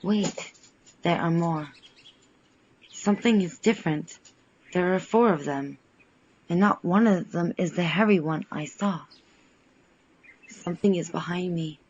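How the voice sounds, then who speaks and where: An actor in an audio drama playing a solitary, wondering watcher in the wild, speaking in short, suspenseful, halting phrases. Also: medium pitch, breathy edge. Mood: tense wonder. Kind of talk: audio drama first-person narration. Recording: muffled, with faint outdoor noise. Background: birdsong.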